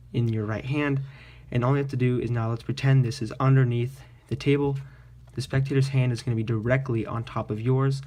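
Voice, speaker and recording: A man's voice: mid-range voice, a little mellow. A man presenting a card trick tutorial in casual magician patter, explaining informally step by step.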